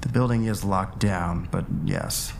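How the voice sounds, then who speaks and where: A man's voice: sits low, unhurried, gravelly, a little hiss or hum. A man playing a pompous, indignant city councilman in a pulp radio drama, haughty, formal and dismissive. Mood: grudging.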